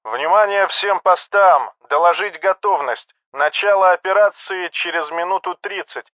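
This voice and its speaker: A man's voice: sits high, moderate pace, fairly bright tone, no echo, lo-fi sound, pitched above the performer's own voice. A man voicing a proud young male cadet captain who barks clipped military commands over a ship's radio intercom. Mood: commanding. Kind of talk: audiobook character reading.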